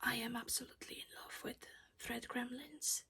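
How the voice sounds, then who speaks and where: A woman's voice: fairly high pitch, fairly even intonation, normal speed, bright, forceful tone, husky. A woman whispering her way through a casual cross-stitch project chat at home while losing her voice.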